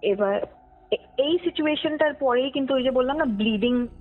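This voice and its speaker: Over a tinny phone line with music playing underneath, a young podcast guest from West Bengal, India, shares a real ghost story from her own life. Her high voice moves at a moderate pace, and she chats casually, mixing in English words and making sure her listener keeps up.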